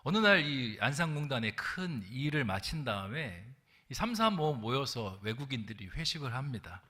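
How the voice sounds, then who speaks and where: A man's voice: mid-range voice, sing-song, normal speed, sharp tone, slightly rough. A male lead pastor preaching a sermon in a church, telling a funny story and asking rhetorical questions. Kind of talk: sermon with humorous anecdote. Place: church sanctuary.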